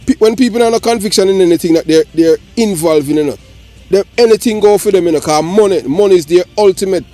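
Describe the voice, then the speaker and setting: A Jamaican man ranting on a live political talk show, forceful and repetitive with many restarts. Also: high-pitched, quick pace, faint music behind. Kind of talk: heated political call-in talk.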